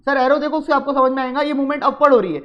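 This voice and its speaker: A man's voice: very high-pitched, fairly even intonation, very fast, muffled recording. A male teacher voicing an eager male student who explains an answer and keeps saying "sir". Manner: keen, repeatedly saying "sir".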